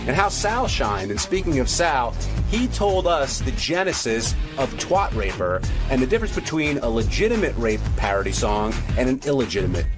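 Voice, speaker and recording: A man's voice: medium pitch, sing-song, moderate pace, hardly any pauses. A man narrating a scripted recap as a radio show announcer. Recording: music bed under the voice. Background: music.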